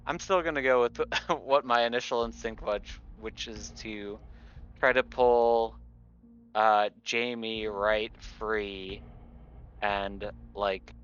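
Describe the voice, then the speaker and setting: Slow, bright-voiced man gaming. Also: fairly low pitch, smooth, highs cut off. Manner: hesitant, thinks out loud. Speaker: tabletop game player. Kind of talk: casual game chat.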